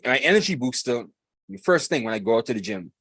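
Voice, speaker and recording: A man in his forties talks fast, hosting a podcast with a rambling, excitable energy. He repeats himself, laughs a lot and never slows down. His voice sounds close and dry, with no room around it. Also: medium pitch, dry recording. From Bahamas. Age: 40s. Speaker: podcast host. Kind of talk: casual chat.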